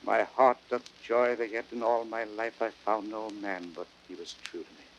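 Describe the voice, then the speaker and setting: An actor playing a noble, grieving Roman commander, solemn and declamatory, in an old radio Shakespeare drama with hiss. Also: male voice, lowish voice, level tone, normal speed, dull audio, natural voice. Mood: solemn resolve. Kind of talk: 1930s radio Shakespeare acting. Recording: hissy old radio broadcast recording.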